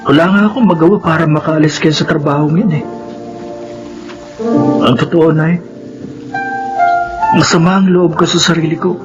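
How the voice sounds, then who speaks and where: A man's voice: on the high side, steady tone, moderate pace, pauses often, dull audio, music in the background, natural voice. A young actor playing a hot-tempered but caring son who stands up for his mother in a TV drama. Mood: subdued. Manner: confrontational, scolding. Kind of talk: TV drama acting.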